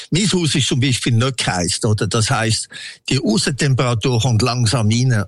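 A man in his seventies with a Swiss German accent, an emigrant telling his life story in a relaxed radio interview and rambling through long lists of places. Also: fairly low pitch, no echo. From Switzerland. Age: 70s.

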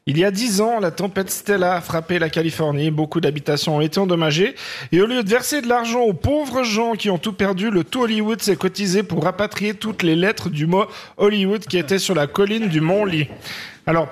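A man's voice: high-pitched, brisk. A male comedian telling a mock-serious made-up story, dropping sarcastic asides. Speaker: comedian panelist. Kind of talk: comic storytelling.

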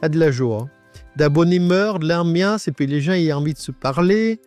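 A man in his nineties gives a halting personal testimony in a radio interview. His voice is disguised by an AI voice changer. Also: fairly high pitch, a little mellow, no echo, faint music behind. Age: 90s. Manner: halting, with many restarts and repetitions. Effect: voice altered by an AI voice changer.

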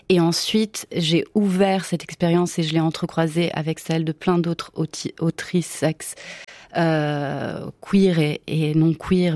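Low-voiced Italian woman, thoughtful. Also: darkish tone, no room sound. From Italy. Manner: thoughtful, searching for words, many restarts. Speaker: theatre maker, guest. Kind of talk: radio interview.

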